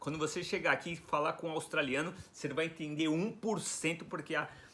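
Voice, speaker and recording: A man with a high voice talks at a fairly quick pace in an animated tone. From Brazil. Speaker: YouTuber. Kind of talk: casual vlog monologue.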